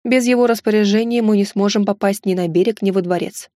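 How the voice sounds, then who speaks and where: A woman's voice: mid-range voice, fast talker, dark tone, no echo, studio quality, close to an everyday voice. A woman reading an older courtly Chinese man. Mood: courteous.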